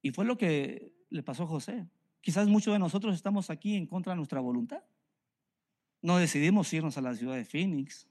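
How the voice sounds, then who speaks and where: High-voiced Mexican preacher. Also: male voice, fairly quick, darkish tone. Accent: Mexican Spanish. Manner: earnest, repeats phrases for emphasis. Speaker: pastor. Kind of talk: sermon.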